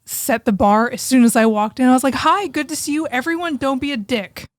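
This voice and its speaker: A woman's voice: high voice, fairly quick, dry recording, clean studio sound. A woman co-hosting a podcast in casual, informal conversation, with plenty of slang and some mild swearing. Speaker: podcast co-host.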